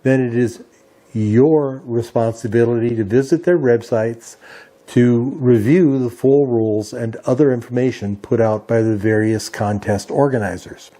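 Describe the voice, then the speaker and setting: A man's voice: mid-range voice, unhurried, warm tone. A man hosting an explanatory hobby video, methodically going through details item by item as if from notes. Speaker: amateur radio video host.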